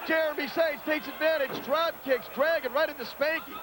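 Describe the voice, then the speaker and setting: A man giving excitable play-by-play commentary on a wrestling match, often shouting over the action, heard from a worn VHS tape copy. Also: very high voice, moderate pace, noisy background. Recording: worn VHS tape, loud arena crowd. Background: loud cheering wrestling crowd.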